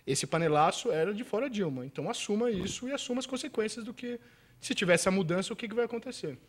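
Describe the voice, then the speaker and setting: A man's voice: sits high, animated, fast talker. A man speaking as a guest on a studio panel talk show, rambling with many restarts and quoted remarks. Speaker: panel guest, agronomist and writer. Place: studio table.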